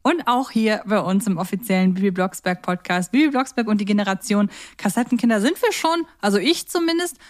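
Female podcast host, mid-pitched voice, talkative and informal. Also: animated, fairly quick, hardly any pauses, a little mellow. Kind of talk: casual chat.

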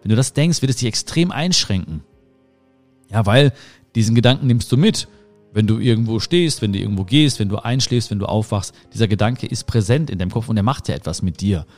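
A man in his thirties, raised in Germany, hosting a motivational podcast in an earnest, emphatic way, his pitch rising sharply on key phrases. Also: lively intonation, a little fast, darkish tone, soft background music. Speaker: podcast host. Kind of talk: motivational talk.

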